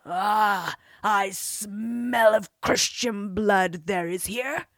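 A woman voicing a huge, gruff male giant who bullies and shouts slowly, with a breathy voice. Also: expressive, no echo, clean studio sound. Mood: roaring suspicious. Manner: slow booming shouts.

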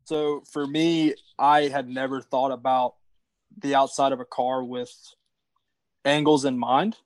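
A man guesting on a casual podcast chat, thoughtful and a little halting. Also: medium pitch, flat delivery, dry recording, low-quality recording. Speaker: podcast guest, training student.

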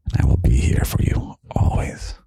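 A young man hosting a podcast of gentle, half-whispered comfort talk, slow and soft with quiet chuckles, close to the microphone. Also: dry recording. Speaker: podcast host.

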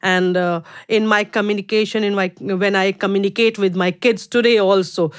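This middle-aged guest artist from India, Urdu being her first language, speaks haltingly in a relaxed interview, full of fillers and restarts. Her pitch is medium and her intonation fairly even.

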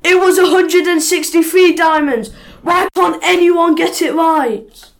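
A woman's voice: very high voice, measured pace. A young woman playing a cocky, stubborn male jewel thief in an amateur audio drama. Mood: indignant.

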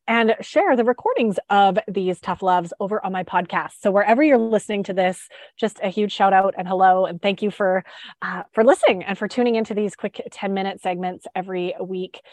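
A woman's voice: mid-range voice, brisk, a little mellow, no echo. A woman hosting a podcast and live stream as a sugar freedom coach, chatty and upbeat, with a stuffed-up head cold. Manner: upbeat, chatty, with fillers and restarts. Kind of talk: casual live-stream talk.

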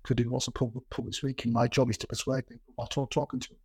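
A middle-aged man speaks with a slightly rough, husky voice and a noticeable stammer, repeating words as he goes. He is a plain-spoken executive answering interview questions conversationally. The sound is dry and close, with no real room to it. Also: mid-range voice, flat delivery, rapid-fire, a little mellow, no room sound. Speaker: business executive being interviewed. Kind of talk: reflective conversational interview with anecdotes.

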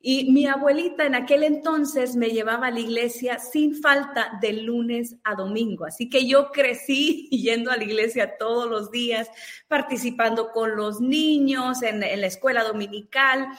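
A woman's voice: a little high, moderate pace, a bit bright. A woman from El Salvador, a worship leader and singer, telling her story in a casual interview over a video call, with many fillers.

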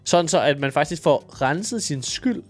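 A man co-hosting a podcast, chiming in with quick jokey remarks in casual chat. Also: fairly high pitch, expressive, faint music behind. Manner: chimes in with quick jokey interjections. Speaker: podcast co-host.

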